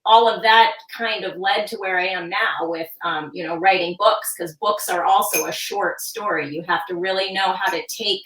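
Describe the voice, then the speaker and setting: A woman in her forties, a guest on a radio interview, with a bright, forceful voice gone hoarse and groggy. She tells her story in an upbeat, chatty way. She sits back from the mic in an echoey room. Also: lowish voice, normal speed, few pauses, far from the mic. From Hudson Valley, New York. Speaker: children's book author, guest.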